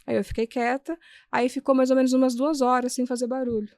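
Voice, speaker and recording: A woman, a guest on an interview podcast, earnestly recounting events step by step, with frequent restarts and halting repetitions. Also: sits high, flat delivery, darkish tone, no echo, studio quality. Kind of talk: personal storytelling in a podcast interview.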